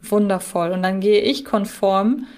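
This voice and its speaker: Gesprächige Podcasterin, mittlere Stimmlage. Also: female voice, medium pitch, a little slow, darkish tone. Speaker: podcast co-host. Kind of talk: casual fan podcast chat.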